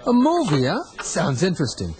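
A man's voice: on the high side, wildly swooping pitch, a little fast, noisy background. An actor playing a husband on the run who keeps reassuring his wife, tense underneath, in a radio drama. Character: anxious husband on the run, young adult. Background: music.

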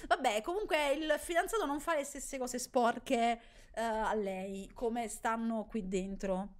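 Brief: young woman gamer streaming live, high, chatty, jokey. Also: unhurried. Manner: chatty, jokey, addresses chat, shrieks when startled. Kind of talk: casual live gameplay chat.

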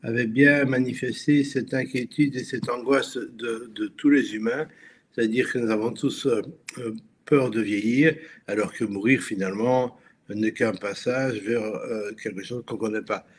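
A Belgian-born man giving a webinar presentation over a video call, speaking haltingly with many restarts and fillers. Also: medium pitch, fairly even intonation, slightly rough. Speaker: guest speaker.

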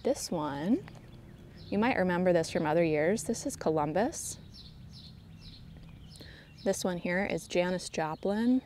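A woman's voice: lowish voice, lively intonation, a little slow, pauses often, darkish tone, a little hiss or hum. Chatty woman walking her garden. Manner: chatty and self-deprecating, talks to viewers as friends. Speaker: garden vlogger. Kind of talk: casual garden tour narration. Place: outdoors in a home garden. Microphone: handheld phone camera, speaker off screen.

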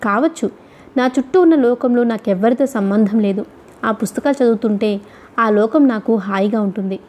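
Give me a woman reading a brooding, cautious young husband in an audiobook, steady and mellow. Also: a little high, moderate pace, natural voice. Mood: calm.

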